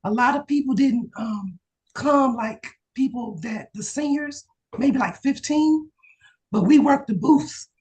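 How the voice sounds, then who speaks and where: Hoarse woman, slightly higher pitch, eager testimonial on a video call. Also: a little slow, rough recording. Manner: excited, testimonial chat with laughs. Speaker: insurance agent. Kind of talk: casual video call chat.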